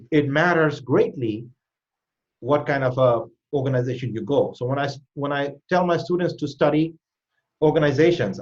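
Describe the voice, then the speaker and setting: A man hosting a live online question session speaks directly and with emphasis, his pitch jumping up on key points. His voice sits in the middle range and comes through slightly dull video call audio. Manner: direct, emphatic advice, with quick lively pitch lifts. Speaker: host and cybersecurity educator.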